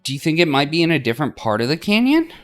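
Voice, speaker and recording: A man's voice: on the high side, big pitch swings, rapid-fire, soft background music, voice pushed up. A man voicing an upbeat, eager young woman travel companion in a visual novel, perky and casual.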